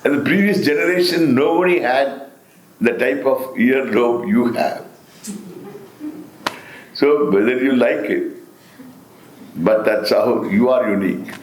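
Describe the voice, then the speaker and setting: An older man with an Indian accent, speaking as a Hindu teacher, gives a deliberate, emphatic spiritual discourse, repeating phrases and posing rhetorical questions. His voice is medium in pitch, and the recording sounds roomy and echoing.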